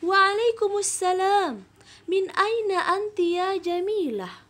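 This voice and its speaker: A woman teacher reading the part of a polite, helpful schoolgirl in a textbook dialogue, slowly and carefully. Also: very high voice, expressive, voice pushed up, full character voice. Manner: slow, careful, bright read-aloud.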